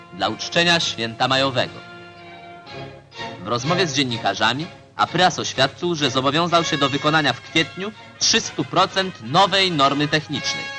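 Intonation lively, a man talks at a moderate speed as background music plays. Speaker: newsreel narrator. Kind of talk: newsreel narration.

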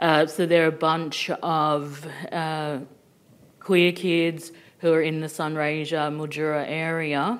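A woman speaks at a very slow pace with a very deep, low pitch. Her intonation is monotone and flat. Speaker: youth community volunteer; panellist. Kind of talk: panel presentation. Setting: conference stage with audience. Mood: warm, smiling. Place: hall.

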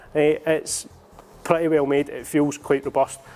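A man at a fairly quick pace. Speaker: product reviewer. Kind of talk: casual product review. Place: workshop.

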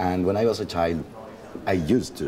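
A man speaks at a moderate pace in a very deep, low pitch with ordinary pitch variation. Light background noise can be heard. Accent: Mexican. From Mexico. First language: Spanish. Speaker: film actor. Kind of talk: casual interview. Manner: halting, searching for words. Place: hall.

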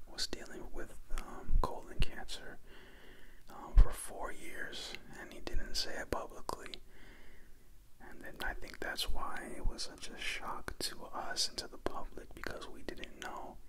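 A man whispering at a fairly slow pace, with big swings in loudness. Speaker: ASMR creator. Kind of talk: ASMR whisper ramble, casual talk. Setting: close-mic recorder. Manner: whispered, close-mic. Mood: somber, mournful. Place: home room. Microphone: studio mic.

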